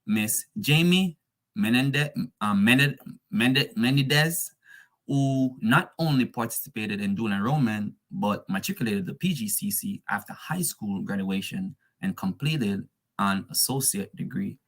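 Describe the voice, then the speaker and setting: A man's voice: fairly low pitch, animated, measured pace, a bit bright. A man presenting information to students in a casual, repetitive way, addressing them as "guys". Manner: casual, addresses listeners as "guys", fillers and restarts. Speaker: dual enrollment presenter.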